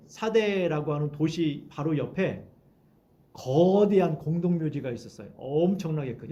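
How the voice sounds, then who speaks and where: Animated high-voiced Korean pastor preaching. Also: male voice, lo-fi sound. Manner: lively conversational preaching, acts out quoted voices. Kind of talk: sermon.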